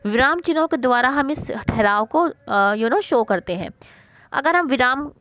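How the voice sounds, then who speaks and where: A woman leads a primary school worksheet lesson, voice sitting a little high. She coaxes the children along, posing questions and answering them herself. The recording is close and dry. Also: a bit bright, no room sound. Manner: coaxing teacherly talk, asks and answers own questions.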